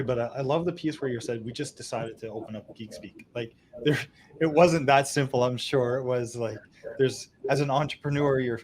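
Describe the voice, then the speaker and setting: A mid-pitched male podcast host who asks friendly, probing follow-up questions in a relaxed conversational tone. A faint hiss sits behind his voice. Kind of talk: conversational interview.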